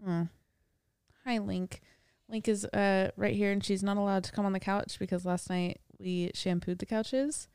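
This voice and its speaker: A woman's voice: mid-range voice, flat delivery, normal speed, a little mellow, clear, resonant tone, no room sound, studio quality. A woman co-hosting a podcast from home, talking casually and saying "like" often. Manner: chatty, heavy use of "like". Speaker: podcast co-host. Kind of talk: casual chat. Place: home living room with dog nearby.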